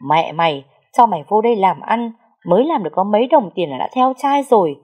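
A woman's voice: mid-range voice, expressive, a little fast, mellow, husky. A woman voicing a cruel, heavyset middle-aged aunt who screams curses while throwing her niece out. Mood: screaming abuse. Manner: screeching, cursing.

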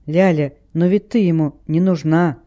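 A man playing a sensible teenage girl sleuth with a raised, mellow voice. She speaks firmly yet gently, reasoning things through in an audiobook. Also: high-pitched, expressive, normal speed, dull audio. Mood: persuasive. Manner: firm but gentle, reasoning.

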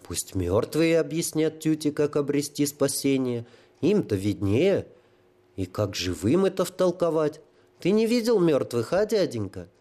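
A man's voice: on the high side, very animated, a little slow, warm tone, pitched above the performer's own voice. A man voicing a tearful, simple-minded holy fool who talks about himself like a child. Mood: plaintive. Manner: childlike pleading, stuttering.

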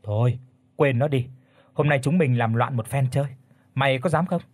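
Guy reading as a rude teenage schoolgirl, cussing and teasing, husky dry voice. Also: medium pitch, normal speed, no echo, lightly acted. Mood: coaxing. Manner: blunt, swearing, teasing. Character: brash foul-mouthed teenage schoolgirl.

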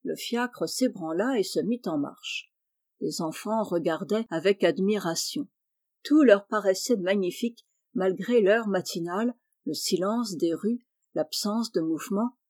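A woman narrating a classic children's novel in a calm, measured audiobook reading. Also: mid-range voice. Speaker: audiobook reader. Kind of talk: storybook narration.

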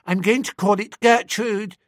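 Guy doing a bossy little girl voice, high and sing-songy, prim and smug. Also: steady tone, measured pace, dry recording, clean studio sound. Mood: chattering. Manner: sing-song, chanting, self-satisfied.

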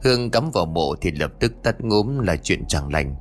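A man voicing a gruff old male village sorcerer who mutters and grumbles in a low voice. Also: lively intonation. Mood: grumbling. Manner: low muttering, slow curses.

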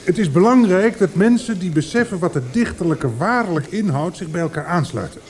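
A man's voice: high-pitched, animated, fairly quick, a little mellow, slight background noise. An actor in a Dutch radio drama playing an intense, possessive male poet who declaims formally and fervently.

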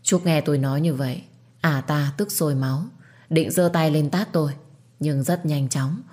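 A woman narrating a dramatic first-person story, steady and expressive. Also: low-pitched, moderate pace.

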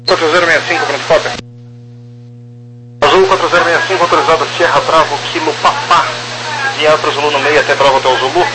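A man's voice: on the high side, lively intonation, quick pace, pauses often. A man with a Brazilian accent speaking clipped aviation phraseology over a helmet-style aircraft radio. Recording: very noisy humming aircraft radio channel.

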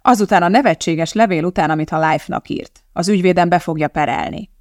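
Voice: medium pitch, no echo, natural voice. A narrator voicing a blustering, indignant male lab director who protests in a raised, strained voice, in a dry, close audiobook reading.

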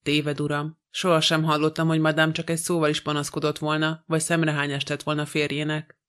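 A gossipy young housemaid, read out by a man with a fairly high voice that stays very flat. She keeps talking at the same level tone, line after line, in a storybook reading. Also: smooth, close to an everyday voice. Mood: gossiping. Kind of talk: audiobook reading.

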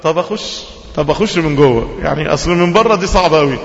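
A man's voice: a little high, quick pace, natural voice. A man with an Egyptian accent voicing a desperate man who pleads and bargains to get out of the fire, recorded with hall reverb and a dull, lo-fi sound. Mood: pleading. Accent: Egyptian Arabic. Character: desperate pleading man begging to escape hellfire.

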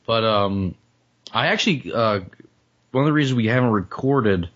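A male podcast co-host, hoarse and losing his voice after the flu, chatting casually and joking with frequent laughs. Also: medium pitch, animated, moderate pace, a bit bright, dull audio. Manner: joking, rambling, laughs often. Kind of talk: casual comedic chat.

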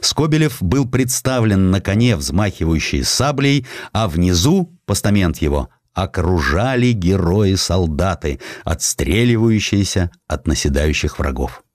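A man with a deep voice narrates a historical sketch. His intonation moves widely, giving the scripted storytelling a dramatic, expressive shape. The sound is very dry, with hardly any room around it. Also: unhurried, hardly any pauses, no echo. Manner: expressive storytelling, voicing quotations. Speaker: audiobook narrator.

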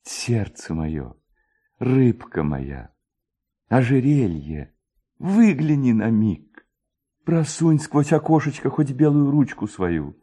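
A man's voice: mid-range voice, sing-song, slow pace, warm tone, slightly rough, pitched above the performer's own voice, exaggerated voice. A man voicing an ardent, proud young Cossack lad, pleading with theatrical tenderness in a storybook reading. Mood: tender coaxing.

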